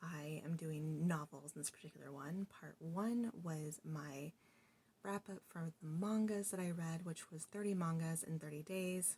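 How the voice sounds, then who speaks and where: Soft-spoken and somewhat breathy, a woman talks at a fairly slow pace with a fairly low pitch and a dark, mellow tone. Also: ordinary pitch variation. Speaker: book reviewer. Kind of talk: casual chat. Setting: at home late at night.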